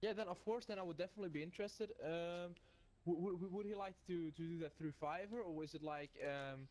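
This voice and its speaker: A man coaching players over a voice call, rattling along quickly in a slightly higher voice. He is friendly and loose, full of fillers and restarts. Faint noise hums behind him. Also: a little mellow. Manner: friendly, fast, lots of fillers.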